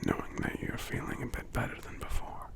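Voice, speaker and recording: A man voicing a gentle, congested giant lover in an intimate ASMR roleplay, murmuring softly and tenderly with small hums between phrases. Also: brisk, natural voice. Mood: affectionate, reassuring. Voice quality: congested, stuffy, breathy half-whisper. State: congested from a cold. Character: gentle sick male giant, tender romantic partner.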